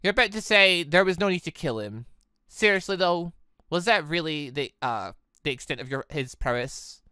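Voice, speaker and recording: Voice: mid-range voice, lively intonation, moderate pace, bright, forceful tone, clear, resonant tone, dry recording, studio quality. A British gamer voicing a smug, ruthless young villainess with a sly, dismissive manner in a visual novel game. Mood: scornful.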